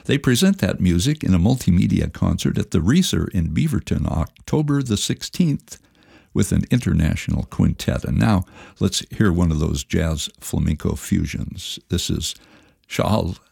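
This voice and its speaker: A male radio host with a very deep voice full of gravel. His tone is slightly husky. He introduces guests and music in a steady, measured announcer's manner.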